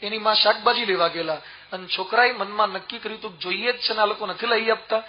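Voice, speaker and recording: A man with a Gujarati accent, a monk giving a sermon, telling stories with acted quotes and dropping to a soft voice at sad moments. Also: sits high, steady tone, fast talker, highs cut off. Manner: storytelling with acted quotes and sudden soft drops. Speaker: monk preacher.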